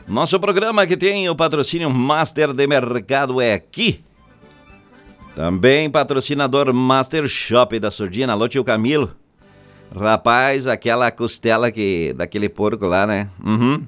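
A man's voice: mid-range voice, unhurried, a bit bright, clear, resonant tone, soft background music. A man with a Rio Grande do Sul accent hosting a morning radio show, folksy and joking. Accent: Rio Grande do Sul Portuguese. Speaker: radio host.

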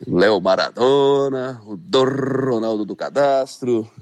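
A man's voice: mid-range voice, takes it slowly, a little mellow. A man calling into a radio show, devoutly greeting a long list of friends by name. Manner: devout, reels off long lists of names. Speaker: caller. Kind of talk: on-air greetings and shout-outs.

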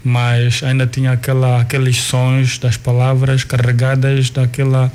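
A man in his forties with an Angolan Portuguese accent whose first language is Kikongo. He is a guest recalling his life in an unhurried, searching way, often restarting and repeating words. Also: mid-range voice, completely flat delivery, a little mellow. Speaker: guest, artist and cultural manager. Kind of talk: reflective life-story telling.

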